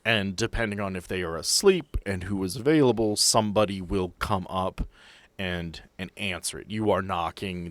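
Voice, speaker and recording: A man's voice: low-pitched, a bit bright, no room sound. A man acting as game master, describing and explaining a tabletop game scene in an improvised way.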